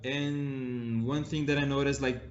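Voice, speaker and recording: A man's voice: medium pitch, steady tone, a little slow, highs cut off, a little hiss or hum. A Brazilian man hosting an interview in English with a Brazilian Portuguese accent, sometimes searching for words. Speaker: podcast host. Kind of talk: casual interview chat.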